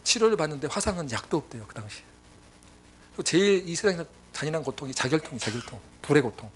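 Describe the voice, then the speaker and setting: A man preaching a sermon as a missionary, telling stories in a lively way and acting out his friends' voices. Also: on the high side, fast, a little hiss or hum. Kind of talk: sermon with storytelling. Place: church sanctuary.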